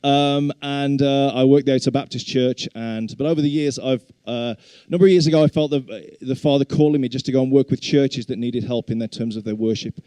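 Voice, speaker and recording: Mellow middle-aged Black Country man, informally preaching. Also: mid-range voice, brisk, clear, resonant tone, no echo. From English Black Country. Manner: chatty, self-deprecating humour. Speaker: guest preacher and worship leader. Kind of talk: informal sermon to a congregation.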